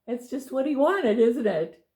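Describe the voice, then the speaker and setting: A woman who is a teacher reading a picture book aloud to young children in an expressive, deliberate storytelling way. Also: sits high.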